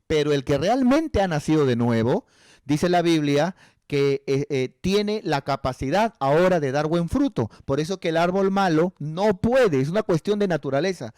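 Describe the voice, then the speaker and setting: Earnest preaching pastor, higher man's voice. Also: animated, moderate pace, a little mellow, clean tone, dry recording. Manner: earnest, pleading, acts out dialogue. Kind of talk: sermon.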